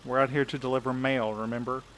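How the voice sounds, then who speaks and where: A man's voice: mid-range voice, little pitch movement, fast talker, heavy background noise, lightly acted. Man playing a jaded, sarcastic night mail courier. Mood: grumbling, wry. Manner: casual, wry. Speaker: voice actor in a fiction podcast. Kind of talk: audio drama acting.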